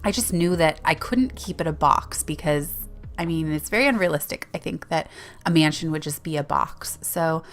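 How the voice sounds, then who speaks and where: A woman's voice: low voice, normal speed, faint music behind. A woman giving a casual, rambling voiceover for a video game build, with many small self-corrections. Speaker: Sims YouTuber narrating a speed build.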